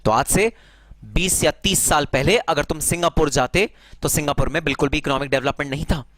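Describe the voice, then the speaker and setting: A man's voice: fairly high pitch, fairly quick, fairly bright tone. A man teaching a tax lesson in a conversational way, mixing in English terms and calling his listeners brother. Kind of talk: classroom lecture.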